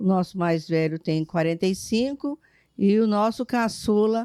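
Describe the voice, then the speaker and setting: A woman's dark, mellow voice, dry and close with no echo. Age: 60s. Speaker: adoptive mother. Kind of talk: testimony.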